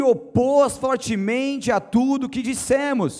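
Animated in tone, a man talks at an extremely high pitch. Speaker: pastor. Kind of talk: sermon.

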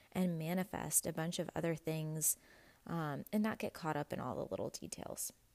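A woman talks at a moderate pace with a fairly low pitch and ordinary pitch variation. The recording is very clean, with a silent background. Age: 20s. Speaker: manifestation podcast host. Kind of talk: casual solo podcast talk. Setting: home, living room. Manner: chatty, animated.

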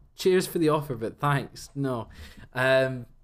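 This man speaks with an Edinburgh accent. His pitch sits fairly high. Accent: Scottish (Edinburgh). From Scotland, Edinburgh. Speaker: podcast co-host. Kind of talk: casual chat. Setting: remote call recording.

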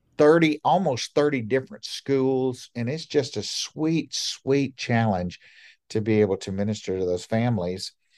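Against a quiet background, a man with a Southern US accent speaks at a moderate pace and medium pitch with lively intonation, the sound dry and close with no echo. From US South, Montgomery, Alabama. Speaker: church music minister and mentor. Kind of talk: casual interview chat.

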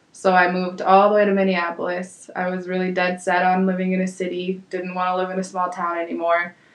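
A woman talks at medium pitch and a fairly quick pace. Her intonation stays monotone and flat, with hardly any pauses. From South Dakota (Sturgis). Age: 20s. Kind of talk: casual interview. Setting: office.

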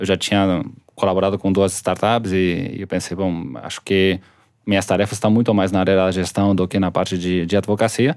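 A man speaks with a Spanish accent in a very deep, low pitch. The recording is very clean, with a silent background. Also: fairly even intonation, moderate pace. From Catalonia, Spain. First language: Catalan/Spanish (speaking Portuguese). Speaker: football league executive. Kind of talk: casual interview.

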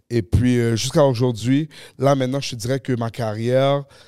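A man with a dark, mellow tone, medium pitch and fairly even intonation, in a very clean recording with a silent background. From Ottawa, Canada. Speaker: comedian. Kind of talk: casual chat.

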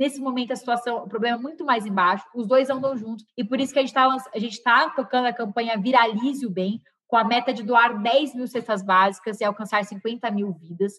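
In an animated tone, the speaker goes at a fairly quick pace with hardly any pauses and ordinary pitch variation. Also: woman, fairly high pitch for a woman. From Brazil, Guarulhos (São Paulo). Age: 20s. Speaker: social entrepreneur and NGO founder. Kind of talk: podcast interview.

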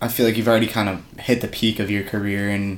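Fairly quick, monotone speech from a man with a fairly low pitch, flat intonation, and audible room echo. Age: 20s. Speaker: podcast host. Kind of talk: casual chat. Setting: home bedroom.

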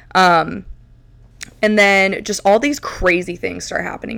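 A woman's plain, everyday voice at a moderate pace, with fairly even intonation. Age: 20s. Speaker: podcast host and content creator. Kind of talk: casual solo talk on faith and life. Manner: casual, filler-heavy.

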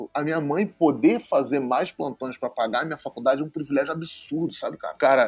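Here a man with a normal speaking voice, fairly high in pitch, talks at a fairly quick pace with ordinary pitch variation and hardly any pauses. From Niterói, Rio de Janeiro, Brazil. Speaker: advertising copywriter. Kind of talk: casual interview.

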